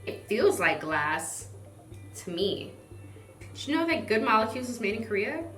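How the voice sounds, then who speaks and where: A woman's voice: on the high side, sing-song, normal speed, a bit bright, echoey room, faint music behind. A woman from the southern United States chatting casually to camera as a skincare reviewer, in a bubbly, playful manner. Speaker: skincare vlogger and product reviewer.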